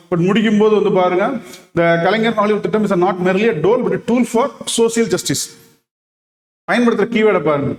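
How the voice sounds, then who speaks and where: A man with a Tamil accent, teaching an exam-prep lesson in Tamil mixed with English, who reads model answers out slowly. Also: sits high, reverberant, in a large hall.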